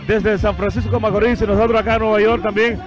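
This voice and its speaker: A man's voice: high-pitched, flat delivery, fast, muffled recording, music in the background. A middle-aged man, co-hosting live parade coverage outdoors on a handheld mic, agreeable and full of praise. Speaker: parade broadcast co-host. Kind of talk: live event commentary. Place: outdoors on a parade float in a busy city street.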